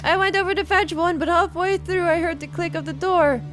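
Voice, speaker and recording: A woman voicing a prim, long-suffering young gentlewoman who recounts her story in formal, measured visual novel narration. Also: extremely high pitch, faint music behind. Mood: prim, reproachful.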